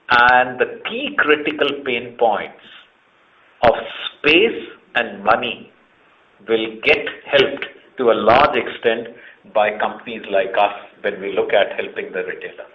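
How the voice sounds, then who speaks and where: An Indian man speaking as a company chief executive on an earnings call, explaining emphatically and setting out his points one by one. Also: medium pitch. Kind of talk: earnings conference call answers. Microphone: conference call line. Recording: muffled, band-limited conference call audio.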